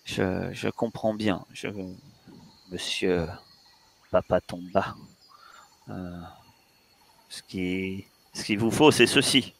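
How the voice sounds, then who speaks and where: A man voicing a calm adult man who answers in a conciliatory, hesitant way. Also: deep voice, slow pace, vocal fry, pauses often, full character voice.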